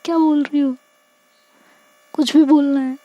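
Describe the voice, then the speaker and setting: A woman's voice: high voice, level tone, unhurried, dark tone, dry recording, lo-fi sound, voice pushed up. A woman voicing a defensive, stubborn young woman who protests and pleads.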